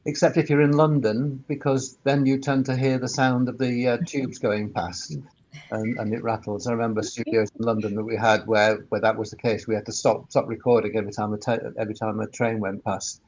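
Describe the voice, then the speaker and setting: A man giving informal technical advice on a webinar panel, halting and often repeating words mid-sentence. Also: medium pitch, level tone, darkish tone, rough recording. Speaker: sound engineer and workspace operator on a panel.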